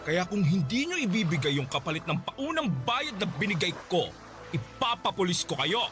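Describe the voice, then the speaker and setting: A man's voice: high voice, sing-song, normal speed, music in the background. A Filipino man in a radio drama playing an effeminate, flirtatious and impatient gay client, with a campy, drawling, haughty manner. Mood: impatient, threatening.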